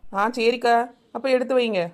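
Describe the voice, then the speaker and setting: A woman's voice: on the high side, steady tone, lightly acted. A woman playing a young village wife who banters sharply with her neighbours and feels let down by her husband. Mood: teasing. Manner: quick, sharp-tongued teasing, then wounded. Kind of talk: village family drama acting.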